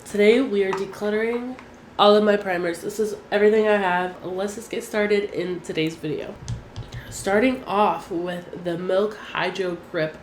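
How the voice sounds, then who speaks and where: A woman's voice: medium pitch, steady tone, normal speed. A young woman with a stuffy, nasal voice from a cold, chatting casually as a beauty vlogger and often saying "like". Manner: chatty, frequent "like" fillers. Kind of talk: casual chat. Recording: echoey room, faint room hum.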